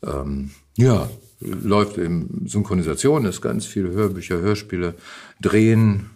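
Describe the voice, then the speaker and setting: A man's voice: low-pitched, a little slow, darkish tone. A man with a German accent speaking as an actor guest in a casual interview, searching for phrases and repeating words as he goes.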